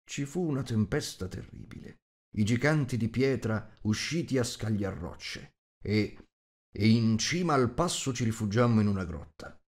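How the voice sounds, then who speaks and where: A man voicing an old, patient wizard telling a tale in a measured, hesitant, diplomatic way. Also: lowish voice, lively intonation, natural voice. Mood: wry. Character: old wise male wizard, patient storyteller.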